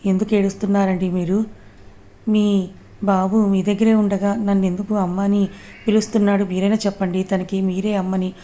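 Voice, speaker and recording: A woman's voice: mid-range voice, level tone, moderate pace, mellow, natural voice. A woman voicing a confused, childlike young woman in a read-aloud family story, with innocent, puzzled questions. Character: confused, childlike young woman who lost her memory.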